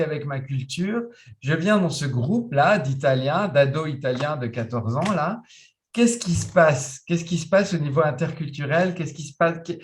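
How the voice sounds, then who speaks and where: A man moderating an online round table over a video call, friendly and informal, speaking with some hesitation. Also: fairly high pitch.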